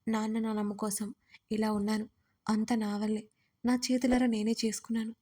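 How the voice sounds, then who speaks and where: A woman's voice: fairly high pitch, flat delivery, moderate pace, lightly acted. A woman voicing a grieving, guarded young woman who answers sharply and firmly, in an audio story. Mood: tearful. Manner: tearful, then sharp and firm.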